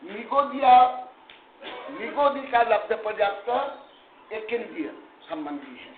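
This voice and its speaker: Over a crowd in the background, this high-pitched man speaks at a measured pace with big swings in pitch. He is a monk-teacher running a scripture study class, chiding and emphatic, with English terms dropped in. Faint noise and a tinny, phone-like quality come through in an echoey room.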